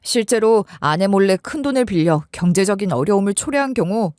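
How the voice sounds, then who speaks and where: A woman voicing a polite lawyer who calmly explains a divorce case, in a storybook retelling. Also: medium pitch, a little fast, no room sound, studio quality, natural voice. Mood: reassuring.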